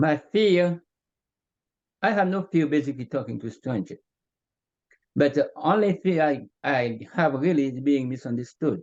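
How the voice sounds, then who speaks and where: With a non-native accent, a man talks at a moderate pace and a fairly high pitch, using lively intonation and long, frequent pauses. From outside the US. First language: not English. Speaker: meeting participant. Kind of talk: casual group discussion. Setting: video call.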